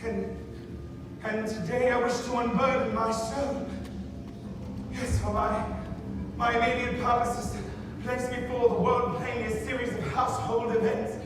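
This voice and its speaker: A man playing a tormented condemned man confessing his crimes in a halting, theatrical gothic monologue, performed live. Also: very high voice, flat delivery, noisy background. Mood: weary, haunted. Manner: dramatic, halting, haunted delivery. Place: live indoor event space. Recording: echoey hall from far off, music behind.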